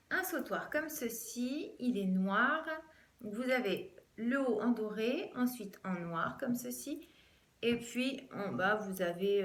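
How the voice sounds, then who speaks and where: A woman's voice: medium pitch, fairly bright tone, roomy sound. A woman vlogger chatting casually through a jewelry haul, hesitant and full of fillers. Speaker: fashion vlogger.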